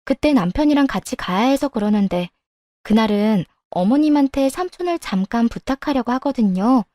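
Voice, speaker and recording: A woman narrating a dramatic family story in the first person, calm and scripted. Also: a little high, moderate pace, no room sound.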